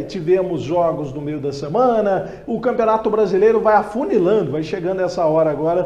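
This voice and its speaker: The man's voice is high in pitch. He talks at a moderate pace with audible room echo. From Brazil. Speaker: TV news anchor. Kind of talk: news presenting. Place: studio. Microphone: lapel.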